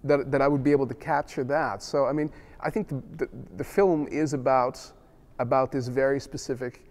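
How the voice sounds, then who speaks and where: A man's voice: mid-range voice, fairly even intonation, normal speed, a little mellow. A middle-aged man from the Netherlands whose first language is Dutch, answering interview questions casually and rambling with many restarts and fillers. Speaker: film director.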